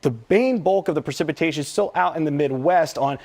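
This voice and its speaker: A man's voice: a little high, fast, darkish tone. An American man presenting a live weather forecast as a TV meteorologist, talking in a conversational, explanatory way.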